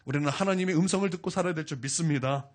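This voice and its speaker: Male pastor with a high voice, preaching emphatically with repeated questions to the congregation. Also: racing. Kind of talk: sermon.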